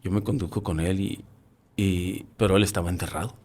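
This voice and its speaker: A man in his fifties with a Mexican accent, a former soldier recounting his own experience in a halting way, often restarting and repeating words. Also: low-pitched, steady tone, a little mellow. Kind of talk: personal war-story testimony.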